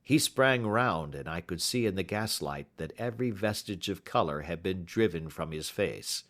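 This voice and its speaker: Expressive male audiobook narrator. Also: low-pitched, normal speed. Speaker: audiobook reader. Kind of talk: storybook narration.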